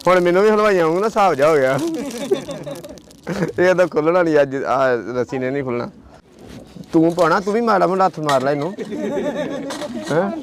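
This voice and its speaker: A man's voice: on the high side, animated, a little fast, long pauses. A man with a Majhi Punjabi accent chatting casually and teasingly, full of folksy exclamations and blessings. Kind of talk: casual teasing chat during a wedding bangle ritual. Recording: noisy crowd and birds behind.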